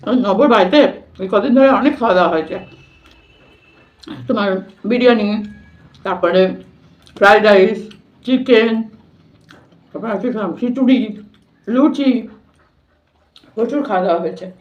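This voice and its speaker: Her voice sits on the high side as she chats informally to viewers over a meal, like a casual food vlog. She speaks at a moderate pace with long pauses, and the lo-fi recording sounds dull in an echoey room.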